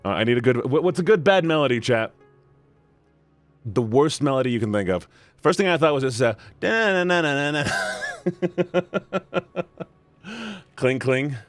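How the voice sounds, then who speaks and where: A man streaming as he voices a visual novel, joking excitedly and asking his chat for ideas. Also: mid-range voice, measured pace, long pauses, dry recording, faint music behind. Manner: excitable, jokey, asks chat for input.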